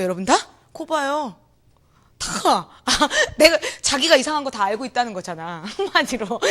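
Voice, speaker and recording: A young adult woman preaching an energetic sermon in a church hall, acting out voices, shouting and laughing as she talks. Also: a little high. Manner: animated, acts out quoted voices, shouts and laughs.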